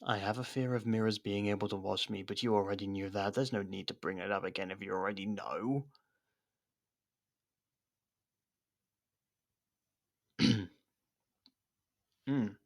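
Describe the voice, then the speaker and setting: An actor playing a proud, defiant captured royal in an ASMR roleplay, speaking in a haughty, halting, dramatic way. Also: male voice, on the low side, creaky. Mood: guarded, irritated.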